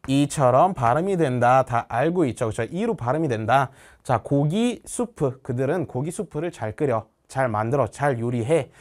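A man teaching Russian in an exam explanation lecture. He says Russian words slowly and carefully, and he keeps asking rhetorical questions. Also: medium pitch, lively intonation.

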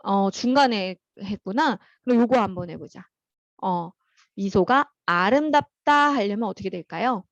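Calling students by name, this expressive, medium-pitched teacher explains English vocabulary in Korean and carefully, slowly reads out the example sentences. The recording sounds muffled and has no room sound.

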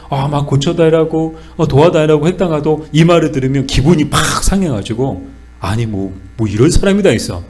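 A man's voice: on the high side, a little mellow. A middle-aged man teaching a church Bible study, explaining with questions and answers and acting out the lines he quotes.

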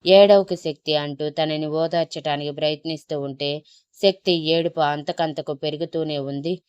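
A woman narrating an emotional love story in a steady, flowing way. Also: low voice, normal speed, smooth, no room sound.

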